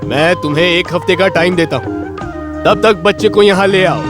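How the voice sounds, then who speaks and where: A man's voice: high voice, moderate pace, close to an everyday voice. A man voicing a bossy police inspector in a dubbed film, scolding and giving orders. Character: stern male police inspector, gruff. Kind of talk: Hindi film dubbing. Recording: dry studio dub with light music.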